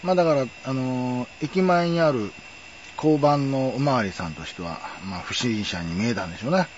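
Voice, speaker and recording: A man's voice: mid-range voice, moderate pace, dull audio, slight background noise. A middle-aged man telling a personal story in a wry, chatty way. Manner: wry, chatty, lively intonation. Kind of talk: casual storytelling monologue.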